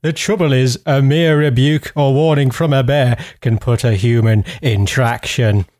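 A man voicing a male zoo biologist who explains things in a measured way. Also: mid-range voice, steady tone, darkish tone, lightly acted. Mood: dry.

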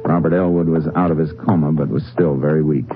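An actor playing a steady Texas Ranger in a 1950s radio drama, terse and methodical, narrating and questioning in a matter-of-fact way. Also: male voice, rumbling low, quick pace. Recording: dull old 1950s radio recording, music.

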